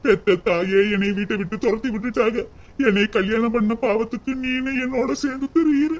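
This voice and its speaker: A woman voicing a gentle, troubled young husband in a cartoon, speaking in a weary, soothing way. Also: on the high side, a little fast, natural voice. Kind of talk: cartoon voice acting.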